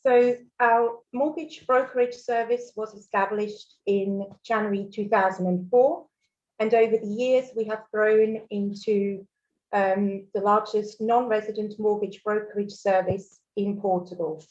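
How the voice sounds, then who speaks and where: A woman's voice: mid-range voice, fairly even intonation, unhurried, darkish tone, muffled recording. A Swiss woman whose first language is German, presenting a mortgage webinar in a friendly way with fillers and small laughs. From Switzerland. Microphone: video call.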